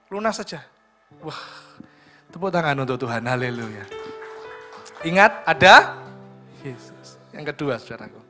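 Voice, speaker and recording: A middle-aged man, preaching a lively sermon and joking with the congregation. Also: sits high. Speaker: pastor. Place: church hall. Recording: church livestream with music behind.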